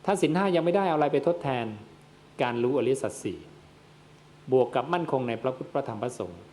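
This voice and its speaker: A man's voice: mid-range voice, expressive, a little fast, a little mellow, a little hiss or hum. A man, a Buddhist monk, giving a dharma sermon to lay listeners and posing questions that he answers himself. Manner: addresses listeners as "yom", asks and answers his own questions.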